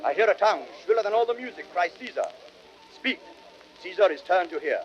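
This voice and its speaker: A man's voice: sits high, animated, fairly quick, faint music behind. A man playing an imperious, superstitious Roman ruler in vintage radio Shakespeare, declaiming formally and with command. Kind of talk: 1930s radio Shakespeare acting. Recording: dull, hissy vintage radio recording.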